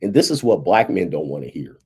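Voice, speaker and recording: A man's voice: low-pitched, sing-song, brisk, mellow, slightly rough. A man in his fifties giving casual, emphatic commentary on dating and relationships, often tagging his points with "right?" and "okay". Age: 50s.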